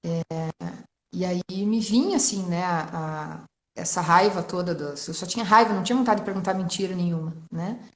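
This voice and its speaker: A woman's voice: lowish voice, normal speed, a bit bright. A woman in her thirties from Brazil, telling a personal story in a casual, emotional way with frequent tag questions. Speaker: entrepreneur guest sharing testimony. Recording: roomy echo.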